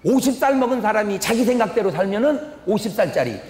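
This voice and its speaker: Older man, pastor, humorous revival sermon, high lively voice, echoey hall, long reverb. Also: fast. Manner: folksy storytelling, quizzes the audience, acts out quarrels. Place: large church hall.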